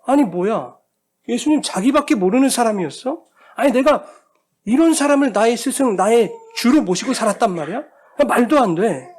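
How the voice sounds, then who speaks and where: Brief: a man doing a bitter, disillusioned male disciple, high and incredulous. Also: expressive, moderate pace, a little mellow. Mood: indignant. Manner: exclaiming in disbelief.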